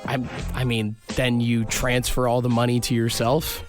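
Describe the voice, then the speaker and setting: A man's voice: mid-range voice, monotone, moderate pace, over music. A man, hosting a radio show and teasing his guests in casual banter. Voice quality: raspy voice.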